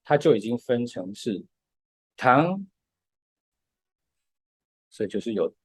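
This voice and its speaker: A man's voice: lowish voice, expressive, a little fast, dark tone, slightly rough, no room sound. A man, patiently explaining music step by step in a casual podcast chat.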